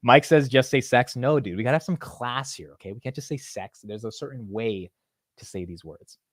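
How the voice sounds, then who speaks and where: Joking and arguing playfully with his viewers, a young livestream host comes across as animated and self-mocking. His mid-pitched voice moves fairly quickly, and the close-miked sound is dry, with no echo.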